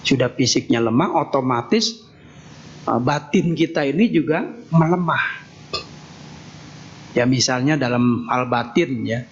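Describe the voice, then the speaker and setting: A man's voice: medium pitch, animated, unhurried, long pauses. A man giving a Buddhist temple sermon in a folksy, joking way, tagging nearly every phrase with a questioning "ya". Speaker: Buddhist monk giving a Dharma talk. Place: temple hall. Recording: dull lo-fi sound with faint noise.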